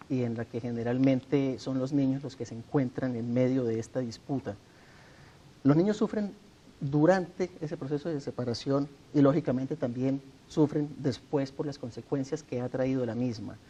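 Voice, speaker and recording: A middle-aged man from Colombia with a Colombian accent, answering interview questions in a measured, earnest way. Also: medium pitch, mellow, lo-fi sound. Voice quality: measured, earnest, formal address. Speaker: interview guest, author. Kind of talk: sit-down TV interview.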